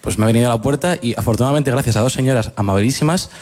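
Guy from burgos pulled up from the crowd, talks fast, chatty and a bit nervous. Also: mid-range voice, darkish tone, in a large hall. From Burgos, Spain. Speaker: listener from the audience.

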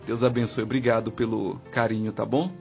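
A man's voice: lowish voice, flat delivery, brisk, vocal fry. A Brazilian man hosting a live religious radio call-in as a pastor, chatting affectionately with listeners. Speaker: radio host and pastor taking listener calls. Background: music bed.

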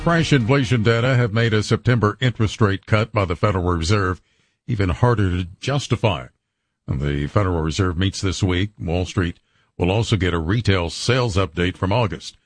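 A man reading a radio news bulletin in a steady, measured way. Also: sits low, no echo, soft background music. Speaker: radio newsreader.

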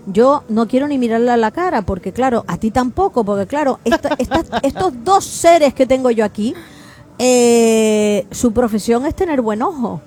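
A woman's voice: on the high side, expressive, normal speed, darkish tone, a little hiss or hum. A woman hosting a radio interview, asking long, rambling questions in a playful way. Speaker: radio host.

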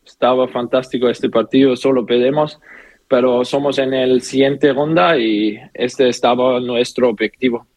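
A young man, a footballer, answering interview questions in halting, speech with many pauses and fillers. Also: mid-range voice, steady tone, darkish tone, no room sound. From Austria. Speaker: footballer guest.

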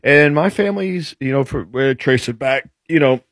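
A man's voice: medium pitch, normal speed, no echo. Easygoing forties male co-host, mid-range voice, dry close mic. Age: 40s. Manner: easygoing, rambling. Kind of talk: casual radio chat. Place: radio studio.

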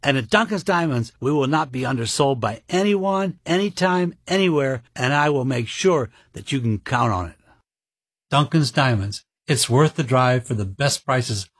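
A man's voice: lively intonation, normal speed, slightly rough, no room sound, clean studio sound. A man who owns a jewelry shop delivering an insistent, emphatic hard-sell radio ad. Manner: insistent, emphatic sales pitch. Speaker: jeweler advertising own shop.

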